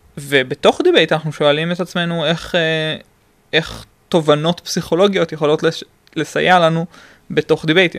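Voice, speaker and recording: Speaking at a moderate pace with long, frequent pauses, a man uses a fairly high pitch and a monotone, flat intonation. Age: 20s. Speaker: debate coach and psychology PhD student. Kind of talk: casual interview. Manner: hesitant, many fillers.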